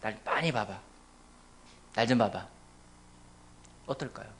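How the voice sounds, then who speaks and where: A male pastor preaching a sermon, swinging between loud exclamations and hushed near-whispers. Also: fairly low pitch, measured pace, creaky. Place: church sanctuary.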